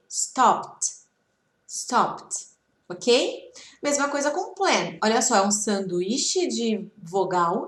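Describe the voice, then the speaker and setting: Slow-paced Brazilian teacher woman, echoey room. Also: fairly high pitch. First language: Portuguese. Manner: patient, repeats words slowly for learners. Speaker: English teacher. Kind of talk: online lesson, explaining grammar.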